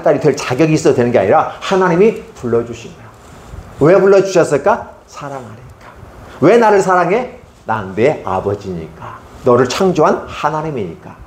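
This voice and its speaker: A man giving a sermon to children as a Sunday school preacher, animated and quizzing his listeners with frequent questions. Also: mid-range voice, reverberant. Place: church hall.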